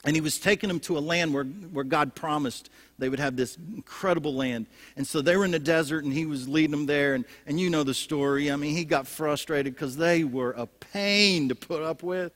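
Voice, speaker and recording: A male pastor preaching a sermon, telling stories with lively energy and frequent restarts. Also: on the high side, moderate pace, few pauses. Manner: storytelling, animated, frequent restarts. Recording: echoey hall.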